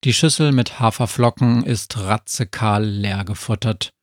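A man narrating a children's story in a calm, measured reading. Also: fairly low pitch, no echo, studio quality. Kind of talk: audiobook reading.

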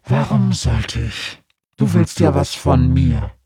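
A man's voice: mid-range voice, lively intonation, slow, mellow, no room sound, studio quality, exaggerated voice. Denise, a grumpy dragon creature voiced by a man. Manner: gruff, blunt, unbothered. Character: grumpy sleepy female Tatzelwurm dragon creature.

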